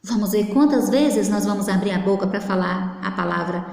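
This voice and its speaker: A woman's voice: mid-range voice, normal speed, creaky, darkish tone. A woman teaching a class for young children, in a patient sing-song manner that keeps prompting them to look. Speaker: primary school teacher. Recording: echoey, reverberant room.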